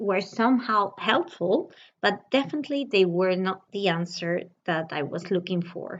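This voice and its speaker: With lively intonation and a Spanish accent, the speaker talks at a fairly slow pace. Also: woman. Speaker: YouTuber reviewing a reading program. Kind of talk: product review.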